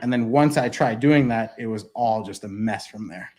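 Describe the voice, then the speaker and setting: A lowish, darkish male voice at a moderate pace, with slight background noise. He's in his thirties, a guest in a casual interview who speaks bluntly and emphatically and curses freely, recorded at a desk mic in a wood-paneled studio.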